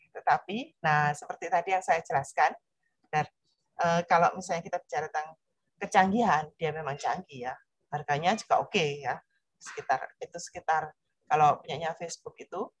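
A woman's voice: fairly low pitch, breathy edge, no room sound. A woman giving a casual, chatty talk to parents, often asking "right?" and acting out little scenes. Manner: chatty, repeats "ya kan?" and "nah", acts out children's voices. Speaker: presenter on VR for parents. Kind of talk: informal explanatory talk to parents.

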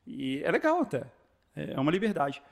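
Fast-talking Brazilian man, lively storyteller. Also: a little high, gravelly. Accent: Brazilian Portuguese. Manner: animated storyteller, many restarts and fillers. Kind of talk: casual chat.

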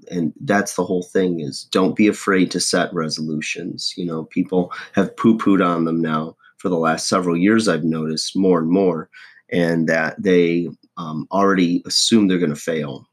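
A hoarse, husky man in his forties giving a casual, folksy motivational monologue as a host. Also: sits low. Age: 40s. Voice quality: husky, rough. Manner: folksy, self-deprecating, checks in with "okay?" and "right?". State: hoarse voice, throat-clearing. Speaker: host of a motivational video podcast.

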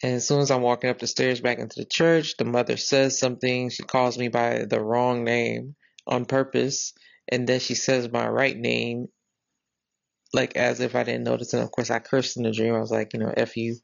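Gravelly woman rambling through a story. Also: very deep voice, flat delivery, normal speed, dry recording. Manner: rambling and earnest, with many fillers and restarts. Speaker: podcast host. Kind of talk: casual spoken retelling of a dream. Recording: dry, slightly dull lo-fi recording.

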